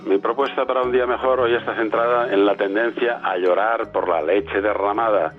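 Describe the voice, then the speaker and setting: A man giving a scripted, measured motivational talk as a radio show's coach, calling in by phone. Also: lowish voice, fairly even intonation. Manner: measured, reflective delivery. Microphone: phone call. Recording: tinny phone line.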